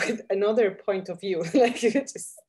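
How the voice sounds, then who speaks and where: A woman's voice: mid-range voice, a little mellow. A woman speaking as a podcast guest in casual discussion, searching for words with many fillers and restarts. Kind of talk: conversational discussion.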